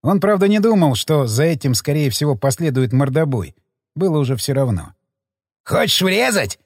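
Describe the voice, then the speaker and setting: Man narrating an animated audiobook. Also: mid-range voice, brisk, no echo, clean studio sound. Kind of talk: expressive scripted narration.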